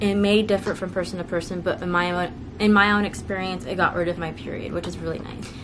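Through noticeable background noise, a woman speaks fairly quickly in a fairly low pitch with monotone, flat intonation. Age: 20s. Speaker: lifestyle youtuber. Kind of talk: casual sit-down chat to camera. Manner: chatty, frequent fillers. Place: home room. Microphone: camera far.

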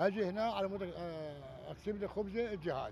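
A man speaks in a high voice. The sound is dry with no echo, with light background noise. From Iraq, Al-Dair near Basra; Iraq. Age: 60s. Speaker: day laborer; interviewee. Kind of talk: street interview. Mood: complaining about lack of work. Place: street. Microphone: handheld.

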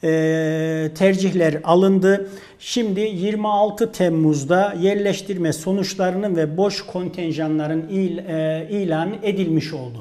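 At a very slow pace, a man talks with a high pitch and fairly even intonation. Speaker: guest. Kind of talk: interview answer. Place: studio. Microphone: lapel.

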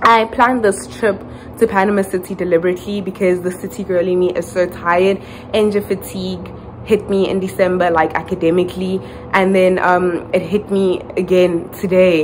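Over light background noise, a woman talks at a moderate pace with a monotone, flat delivery. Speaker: travel vlogger. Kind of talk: casual vlog chat. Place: home room. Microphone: phone near.

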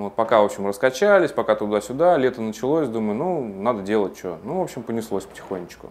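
A man talks at a very fast pace with hardly any pauses and lively intonation. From Moscow; Russia. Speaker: interviewee. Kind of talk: casual chat. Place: empty room. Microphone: lapel.

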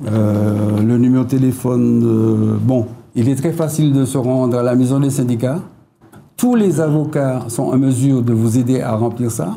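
A man's dark, mellow tone at a fairly slow pace, with long, frequent pauses, very even loudness, ordinary pitch variation and light background noise. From Martinique. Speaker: activist spokesperson. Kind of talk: political interview. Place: studio. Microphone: lapel.

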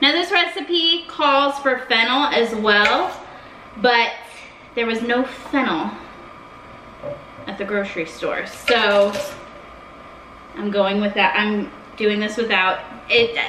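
The speech comes at a very slow pace, broken by long, frequent pauses. Audible room echo and light background noise are present. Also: woman. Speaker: home cook vlogger. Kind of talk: cooking tutorial. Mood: relaxed and chatty. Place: kitchen. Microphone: camera far.

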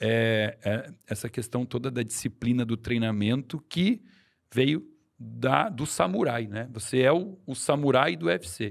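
Speaking at a very slow pace over a quiet background, a man uses lively intonation and shows vocal fry. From southern Brazil, Caxias do Sul. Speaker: podcast host, doctor. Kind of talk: casual chat. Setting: studio. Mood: relaxed, animated storytelling. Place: studio. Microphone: studio mic.

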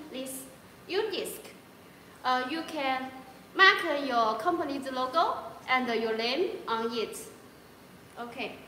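In a Chinese accent, a raised, projected voice moves at a very slow pace with lively intonation and long, frequent pauses, carrying audible room echo over light background noise. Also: woman. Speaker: live-stream sales host. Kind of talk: live-stream sales pitch. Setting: live stream. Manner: halting. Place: factory.

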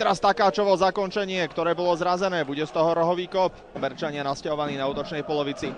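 A man with a high pitch, very fast pace and ordinary pitch variation. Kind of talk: live football commentary.

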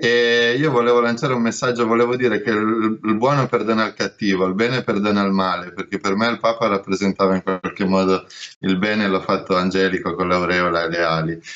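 In an unremarkable speaking voice, a man with fairly low pitch talks at a fairly quick pace with ordinary pitch variation and very even loudness over a quiet background. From Sicily, Italy. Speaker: street artist. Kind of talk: interview. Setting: video call from Barcelona. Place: home room. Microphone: video call.

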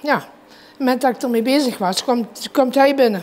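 Speaking at a moderate pace, a woman has a high pitch and fairly even intonation. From Heerlen, Netherlands. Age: 70s. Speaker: hairdresser. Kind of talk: interview answer. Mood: indignant, animated retelling. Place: shop. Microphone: lapel.

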